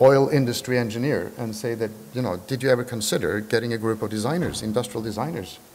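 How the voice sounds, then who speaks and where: With a Norwegian accent, a man talks at a very fast pace and a medium pitch with ordinary pitch variation, amid audible room echo and noticeable background noise. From Norway. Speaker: design council director and economist. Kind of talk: conference talk. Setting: conference hall with audience. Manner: hesitant, many fillers.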